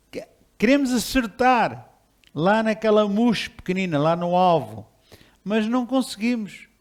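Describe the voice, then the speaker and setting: A man preaching a sermon in a conversational, animated way, with restarts and chuckles. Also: on the high side. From Portugal. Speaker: pastor.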